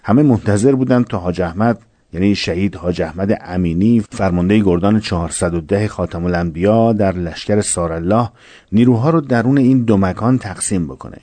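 A man reads scripted narration in a low, dark, mellow voice. His delivery is steady and solemn, and the sound is close and dry. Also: no echo.

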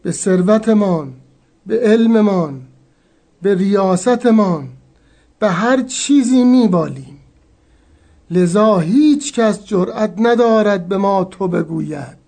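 An actor playing a wise old male sheikh in a radio drama, giving counsel in a slow, measured, teaching manner. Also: sits high, expressive, creaky, warm tone, full character voice. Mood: calm, instructive.

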